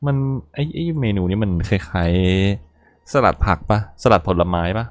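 A man's voice: sits low, measured pace, clear, resonant tone, dry recording. A young man casually commenting on a game he plays, crude and joking, swearing often. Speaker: gaming channel host.

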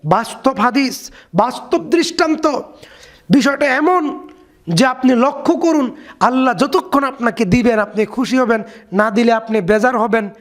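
A man preaching a sermon, reciting Arabic verses slowly and then explaining them in short repeated phrases with drawn-out exclamations of praise. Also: very high voice, animated. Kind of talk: Bengali waz sermon.

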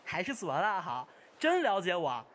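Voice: mid-range voice, huge pitch swings, a bit bright. A performer in an amateur radio drama playing a hyperactive young male gamer who chatters, repeats words and badgers indignantly. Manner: rapid-fire, repetitive, badgering.

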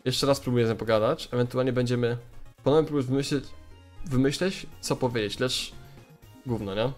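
A young man doing let's play commentary, swearing and breaking into loud frustrated outbursts over faint game music. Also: mid-range voice, brisk. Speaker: gaming YouTuber.

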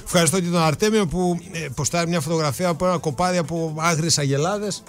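A man's voice: fairly high pitch, faint music behind. A man co-hosting a radio sports show, reading listener messages and asking puzzled questions. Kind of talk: casual radio banter. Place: radio studio.

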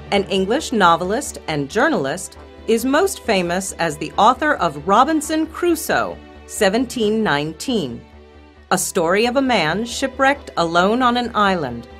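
A woman narrating a biographical passage for a coursebook in a clear, informative way. Her voice moves with lively intonation, and faint music sits underneath. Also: medium pitch, measured pace. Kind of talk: scripted narration.

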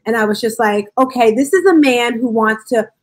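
A woman hosting a casual video call chat, lively and teasing. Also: fairly high pitch, moderate pace. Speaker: host and life coach. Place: living room at home. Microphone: video call webcam.

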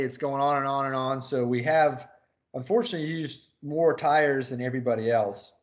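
In a casual chat interview, a male crew chief talks with his race engineer in a mid-range, fairly bright voice. He tells a rambling story, laughing along the way.

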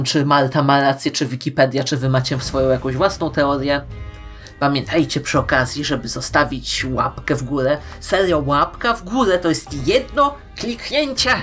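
A woman hosting online fan commentary, playful and emphatic, with dramatic pauses. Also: low-pitched, soft background music. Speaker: YouTube host. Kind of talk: scripted fan-theory commentary to viewers.

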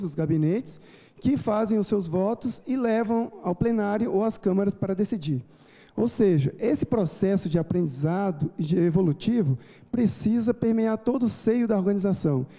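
Brazilian male speaker, 30s, dark mellow tone, halting conference talk on a handheld mic. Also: high voice. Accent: Brazilian Portuguese. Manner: measured, many hesitations and restarts. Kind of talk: formal conference lecture. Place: large auditorium, indoors. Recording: auditorium reverb.

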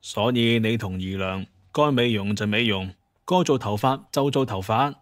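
An actor playing a placating, smooth-talking grown son and head of household in an audio drama. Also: male voice, lowish voice, normal speed, no room sound, studio quality, lightly acted. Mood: coaxing. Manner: coaxing, flattering.

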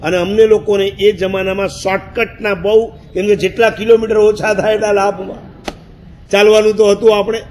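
A man's voice: high voice, flat delivery, moderate pace, darkish tone, slight background noise. A man, a Jain monk telling a story in a sermon, acting out his own past words and laughing as he goes.

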